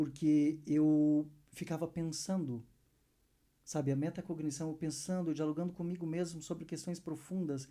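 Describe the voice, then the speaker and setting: Fairly high in pitch, a man's voice carries a dark, mellow tone and fairly even intonation. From southern Brazil, Paraná. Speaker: psychologist. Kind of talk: podcast interview.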